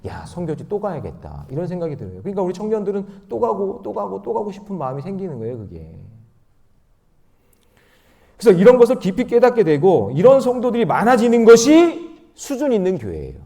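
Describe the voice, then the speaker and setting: A male pastor delivers a dawn sermon in a fairly high voice that climbs and drops with great freedom. He lurches between forceful emphasis and soft, low asides, and he leads his listeners in reading scripture aloud together. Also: brisk, gravelly. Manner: animated, swinging between loud emphasis and quiet asides. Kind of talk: dawn prayer meeting sermon.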